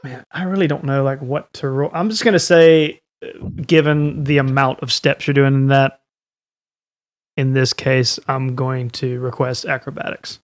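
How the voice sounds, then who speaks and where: A man's voice: medium pitch, fairly even intonation, moderate pace. Hesitant male game master. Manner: hesitant, thinking aloud. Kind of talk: improvised tabletop game narration.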